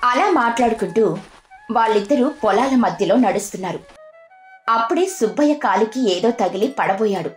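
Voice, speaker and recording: A woman's voice: mid-range voice, animated, a little fast. A woman reading scripted story narration as the narrator. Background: background music.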